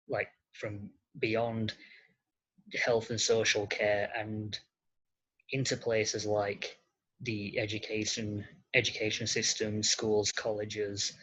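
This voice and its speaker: Podcast guest: husky and unhurried, halting as they search for words, dull lo-fi recording. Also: medium pitch, a bit bright. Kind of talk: interview conversation. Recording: muffled lo-fi audio.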